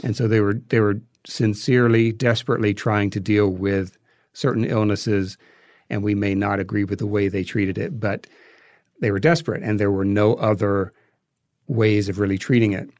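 Appearing as an interview guest, a man reasons thoughtfully and hesitantly in a conversational way, reflecting and hedging as he goes. His voice is lowish, steady, dark-toned and at normal speed, captured in a dry, studio-quality recording.

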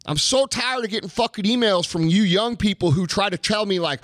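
A man's voice: high-pitched, a little fast, fairly bright tone, no echo, studio quality. A man giving a blunt, profane motivational rant, hammering his points home with emphatic repetition. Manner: blunt, emphatic, heavy swearing. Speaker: motivational speaker.

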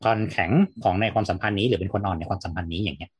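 Male podcast host, husky and fast, chatty explainer. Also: low-pitched, fairly even intonation, dry recording, studio quality. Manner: explains with a rapid, chatty flow. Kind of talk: casual podcast chat.

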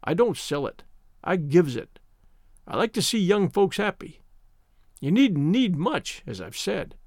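Guy doing a sneaky old witch granny, folksy talk, kinda high, dry audio. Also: sing-song, a little slow, a little mellow, no echo, exaggerated voice. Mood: sly. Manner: folksy rustic dialect, leering. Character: scheming old crone witch, cackling, rustic.

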